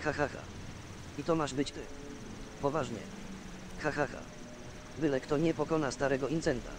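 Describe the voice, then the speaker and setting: An actor playing a cocky, threatening old pirate in a fantasy video game, gruff and taunting. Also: male voice, fairly high pitch, fairly even intonation, normal speed, close to an everyday voice. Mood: mocking, menacing. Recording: game audio with clear ambient noise.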